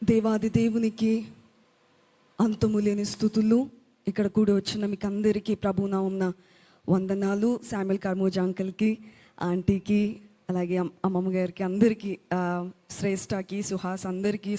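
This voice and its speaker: A woman with a warm, medium-pitched voice earnestly tells her testimony at a church youth event, her words carried by a long hall reverb.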